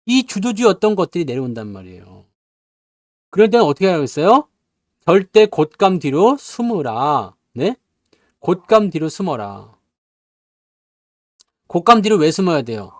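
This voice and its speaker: A man's voice: sits high, no echo, studio quality. A man giving a casual stock investing lecture, teasing listeners with constant "eh?" prompts and acting out little bits along the way. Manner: acts out bits with sound effects and playful asides.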